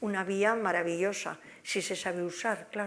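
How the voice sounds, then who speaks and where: Monotone, flat intonation marks this woman's medium-pitched speech. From Basque Country, Bilbao. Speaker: visual artist. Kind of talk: Q&A at a university talk.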